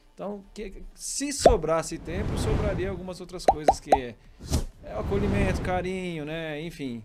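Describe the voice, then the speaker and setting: High-pitched man's voice with very wide pitch swings and big swings in loudness, at a moderate pace, with music in the background. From Brazil, Marília (São Paulo state). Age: 40s. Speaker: comic book creator and marketing entrepreneur. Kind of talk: podcast interview. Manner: casual, conversational with fillers.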